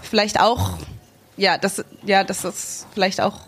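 A woman's voice: mid-range voice, animated, a little slow, a bit bright, slightly rough. Hesitant young woman, thinking aloud. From Germany, raised bilingual. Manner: hesitant, searching for words with many fillers. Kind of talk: casual chat.

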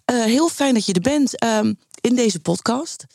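A woman hosting a late-night radio podcast, her voice hoarse and lowered from a cold, chatting playfully with a guest. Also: lively intonation, a little slow, darkish tone, no echo, studio quality. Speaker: host.

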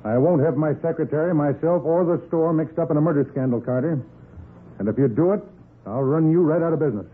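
An imperious businessman in a vintage radio crime show. He talks fast in a clipped, husky, pompous voice, on a muffled 1940s recording. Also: fairly high pitch. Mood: threatening. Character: imperious, threatening male department store boss.

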